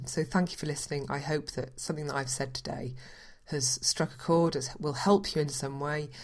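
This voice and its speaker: Using a put-on character voice, a woman speaks in a very deep, low pitch with a raspy sound at a fairly quick pace. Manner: heartfelt, sincere.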